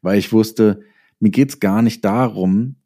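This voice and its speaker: A middle-aged man with a low, very mellow voice chats as an interview guest. He speaks in a reflective, conversational way, working through his reasoning and slipping into quoted self-talk. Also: takes it slowly.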